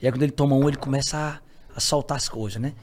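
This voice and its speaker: A man's voice: medium pitch, crowd noise. A man, a comedian guest, chatting casually and retelling a friend's story for laughs. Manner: quick, retells and repeats for laughs. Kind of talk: casual chat.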